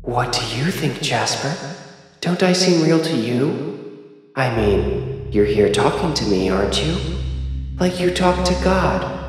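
A man's voice: medium pitch, animated, a little slow, pauses often, very echoey, long reverb tail, soft background music, voice pushed up, lightly acted. A man voicing an eerie, taunting, coaxing child-like invisible playmate in a story. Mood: sly, persuasive.

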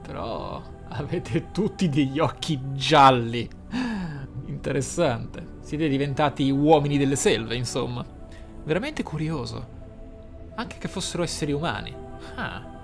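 A man hosts a roleplaying game playthrough. He muses aloud with emphatic phrasing and a mid-range voice, while music plays clearly behind him. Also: mid-range voice, animated, unhurried. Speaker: gameplay host.

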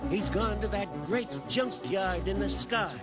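High-voiced, brash macho cop. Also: male voice, measured pace. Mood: dismissive. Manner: gruff, sneering, dismissive. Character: brash, scornful, macho male police officer. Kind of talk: 1980s animated series acting. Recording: loud soundtrack music under dialogue.

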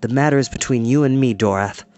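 A man's voice: medium pitch, quick pace, darkish tone, natural voice. A man voicing a proud, defiant young hero in a fantasy audiobook, earnest and hot-tempered.

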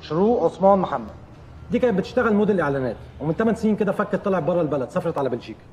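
High-voiced Egyptian junior investigator. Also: male voice, sing-song, racing, darkish tone, slight background noise. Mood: businesslike. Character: eager subordinate investigator briefing his boss. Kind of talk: screen drama acting.

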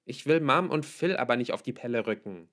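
A man's voice: mid-range voice, animated, a little fast, a bit bright, voice pushed up, natural voice. A man voicing a withdrawn, stubborn teenage girl in an audiobook, curt and defensive.

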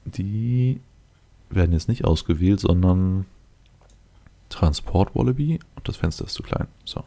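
A let's play host gives improvised, casual game commentary, thinking aloud and muttering to himself in a matter-of-fact way. His voice is low and dark, unhurried, with lively intonation.

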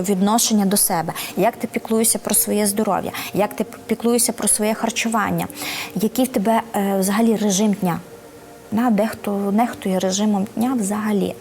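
A woman giving practical advice as an interview guest, often checking in with a quick "right?". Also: mid-range voice. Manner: lively advice-giving with frequent "да?" check-ins.

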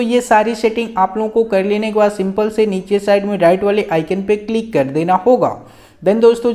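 A man's voice: high voice, a little mellow. A man casually narrating a step-by-step photo editing app tutorial as the channel's host, talking chattily to his viewers with lots of filler words. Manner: chatty, keeps calling out to friends and guys, frequent filler particles.

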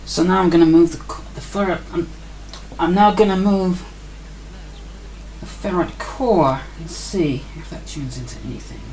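A man's voice: fairly high pitch, normal speed, darkish tone, rough recording. Grumpy, dry-humored man narrating his workbench tinkering; a faint hiss underneath. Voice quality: grumpy, sarcastic. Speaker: hobbyist radio builder. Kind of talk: casual demo narration. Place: indoor workbench.

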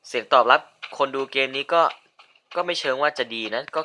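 A man giving casual let's-play commentary, chatty and given to sudden yelps and shouts. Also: medium pitch, a little fast. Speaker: gaming video host.

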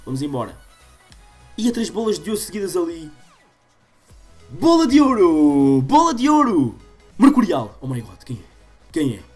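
Casting: young male gaming YouTuber, European Portuguese accent, slightly congested, highish voice, music underneath. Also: darkish tone. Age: 20s. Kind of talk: excitable gaming commentary to viewers. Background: game music.

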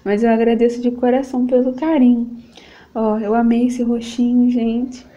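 Brazilian woman vlogger, young, high and mellow voice, gushing, self-filmed at home. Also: little pitch movement, normal speed, lo-fi sound. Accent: Brazilian Portuguese. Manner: gushing and affectionate, keeps calling out to viewers. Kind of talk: casual unboxing vlog. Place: at home, at a table. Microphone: camera set up on the table.

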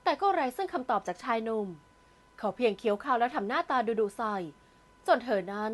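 A woman narrating a romance audio novel in a steady storytelling manner. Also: fairly high pitch, fairly quick.

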